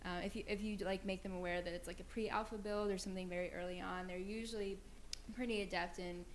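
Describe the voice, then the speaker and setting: A woman's voice: medium pitch, steady tone, fast talker. A woman speaking casually as an audience member and researcher at a conference, in a conversational way peppered with "like". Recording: faint room noise.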